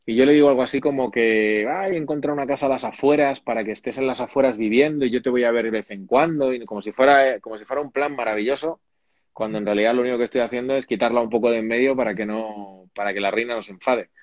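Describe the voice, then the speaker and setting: Chatty Madrid actor on a video call. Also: male voice, medium pitch, quick pace, no room sound, muffled recording. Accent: Castilian Spanish. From Madrid, Spain. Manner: animated, chatty, with many restarts. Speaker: actor, interview guest. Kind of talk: casual interview over video call. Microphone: video call, laptop or phone mic.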